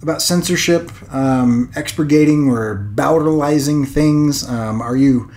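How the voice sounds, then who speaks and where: A man's voice: mid-range voice, darkish tone. Rambling man in his late thirties. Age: late 30s. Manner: rambling, thinking aloud, hesitant pauses and repetitions. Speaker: vlog host and illustrator. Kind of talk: casual unscripted vlog musing.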